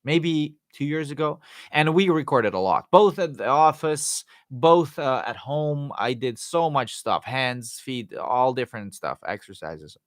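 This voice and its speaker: A man hosting a live Q&A, answering viewer questions in a loose, rambling way with fillers and restarts, his voice going hoarse. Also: medium pitch, expressive, a little slow, no room sound, studio quality. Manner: rambling, many fillers and restarts, jokey asides. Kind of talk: casual live-stream Q&A, reading and answering chat questions.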